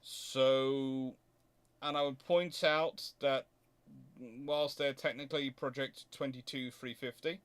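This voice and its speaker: A man hosting an unscripted explanatory question-and-answer talk, thinking aloud in halting stretches and sudden rushes as he works out his answers. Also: medium pitch, steady tone, fairly bright tone, clear, resonant tone. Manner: hesitant, thinking aloud, halting then rushing. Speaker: host answering viewer questions on naval history.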